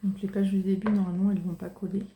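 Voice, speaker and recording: A young woman speaking softly in a casual ASMR style, musing aloud in a hesitant, unhurried way. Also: medium pitch, level tone, reverberant, narrow, tinny audio. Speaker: ASMR creator. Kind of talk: soft-spoken ASMR, casual commentary.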